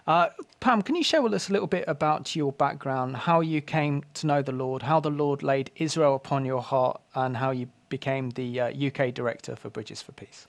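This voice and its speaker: A man hosting a talk program, presenting in a measured, earnest way and questioning his guest. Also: medium pitch, gravelly. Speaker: program host. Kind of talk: presenting and interviewing.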